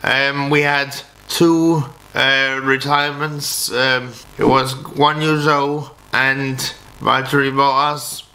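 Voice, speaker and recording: A man in his thirties giving a casual race review from a home office. His voice is bright and forceful, with a fairly even melody and a slow, halting delivery that often restarts words. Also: mid-range voice, rough recording. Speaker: motorsport vlogger. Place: small home office, indoors.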